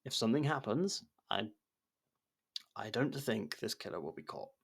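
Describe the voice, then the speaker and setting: A man playing an abrasive but protective murderer turned investigation partner in an intimate ASMR audio drama, speaking in a halting, guarded way. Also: mid-range voice, animated, creaky, breathy edge. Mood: cautioning, earnest.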